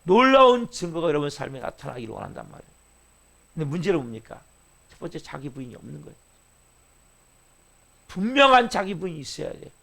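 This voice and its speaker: A man preaching at a dawn service in a high, gravelly voice. He keeps throwing questions at his listeners and jumps from forceful emphasis to quiet asides. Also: very animated, quick pace, pauses often. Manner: preaching with constant rhetorical questions to the congregation; sudden swings between loud emphasis and soft asides. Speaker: pastor. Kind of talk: early-morning sermon.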